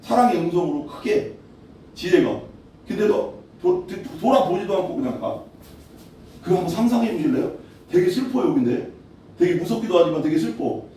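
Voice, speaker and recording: A man gives a sermon, speaking casually and asking his congregation questions as he goes. His voice sits fairly high for a man yet sounds mellow. The mic picks him up from a distance in a very echoey church hall, with faint noise behind him. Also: sing-song, moderate pace. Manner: conversational preaching, asks the congregation questions. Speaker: pastor.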